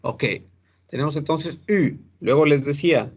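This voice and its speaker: A man teaching French pronunciation to Spanish speakers, slowly and patiently repeating each sound for his students. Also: on the high side, slightly rough, lo-fi sound. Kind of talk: recorded class lesson.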